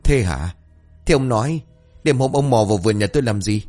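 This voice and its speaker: A man voicing a suspicious old village woman who scolds and threatens loudly. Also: lowish voice, expressive, brisk, soft background music. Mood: scolding.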